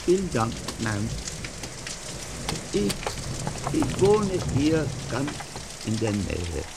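A stammering, timid blind man in an old radio play, his gravelly voice dragging slowly and swooping up and down. He halts over every word as though unsure of himself. Loud rain hammers behind him. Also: medium pitch, big pitch swings, heavy background noise, full character voice. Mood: flustered. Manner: stammering, halting. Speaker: radio drama actor. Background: heavy rain.

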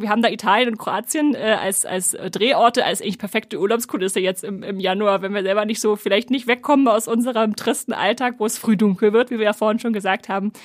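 A woman's voice: on the high side, dry recording, studio quality. A woman co-hosting a casual podcast, presenting new series in a chatty, upbeat way with lots of fillers. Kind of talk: casual chat.

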